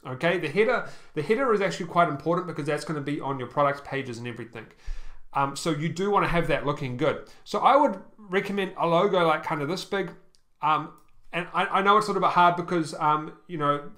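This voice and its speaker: A man reviewing an online store over a screen share, casual and halting, with many ums and restarts, often checking in with "okay?". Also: a little high, sharp tone.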